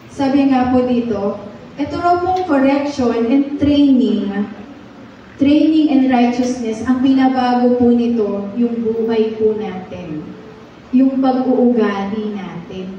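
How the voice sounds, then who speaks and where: A woman's voice: fairly high pitch, dark tone, heavy reverb, recorded from a distance, muffled recording, a little hiss or hum. A woman teaching a Bible lesson in church, often asking the congregation questions. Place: church hall.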